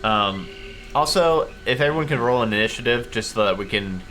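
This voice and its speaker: A man running a tabletop game as game master, narrating casually and haltingly as he thinks aloud. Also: medium pitch, lively intonation, bright, forceful tone, soft background music.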